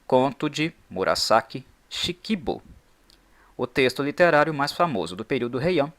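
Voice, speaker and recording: A man hosting a channel, reading a scripted explainer in an expressive, emphatic way. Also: a little high. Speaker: channel host.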